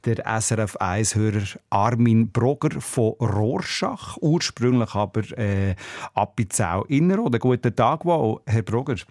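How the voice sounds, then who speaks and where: A man's voice: mid-range voice, animated, unhurried, a little mellow, no room sound, clean studio sound. A man with a Swiss German accent presenting a radio show, reading traffic news and prompting a caller with friendly questions.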